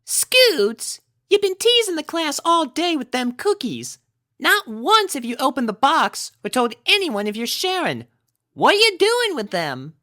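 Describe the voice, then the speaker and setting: A man acts as a curious little filly in a storybook tale. The voice is high and bright, plaintive and pestering, impatient for answers. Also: huge pitch swings, unhurried, exaggerated voice. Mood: impatient curiosity.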